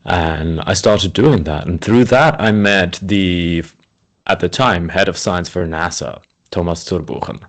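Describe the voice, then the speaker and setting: A man raised in Switzerland, a guest in an interview, telling his story in a relaxed and friendly way. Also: deep voice, unhurried. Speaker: interview guest, speaker agent. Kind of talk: conversational interview.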